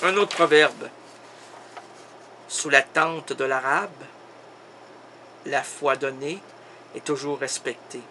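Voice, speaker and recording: A man's voice: mid-range voice, takes it slowly, pauses often, sharp tone, a little hiss or hum. A man with a Québécois accent doing a theatrical, absurd comic monologue full of wordplay. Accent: Québécois French. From Quebec. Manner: theatrical, wordplay-driven, exaggerated. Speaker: comic host.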